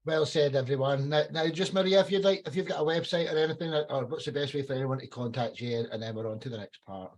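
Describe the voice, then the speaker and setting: A man's voice: fairly high pitch, fast talker, hardly any pauses. A man hosting a podcast, an upbeat presenter introducing guests and moving the show along. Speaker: podcast host. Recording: faint background noise.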